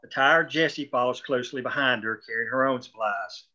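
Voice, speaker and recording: A man's voice: medium pitch, brisk, pushed and bright, dull audio. A man reading screenplay stage directions as scripted narration at a table read.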